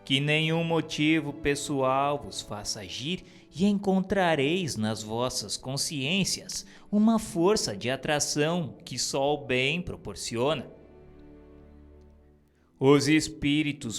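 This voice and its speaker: A man giving a solemn, earnest reading of a religious text, measured and exhorting. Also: a little high, animated. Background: faint music.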